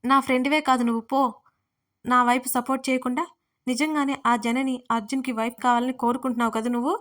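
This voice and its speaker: A hurt young woman, tearful and jealous, pleading through sniffles, as a woman reads her part. She sits high in pitch and sounds close to crying throughout. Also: little pitch movement, fast talker, fairly bright tone.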